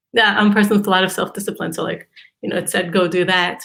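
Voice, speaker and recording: Speaking at a very fast pace with an Israeli accent, a woman has a bright, sharp tone, a medium pitch and monotone, flat intonation. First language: Hebrew. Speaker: PhD researcher and mental health advocate. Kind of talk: interview. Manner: hesitant, many fillers.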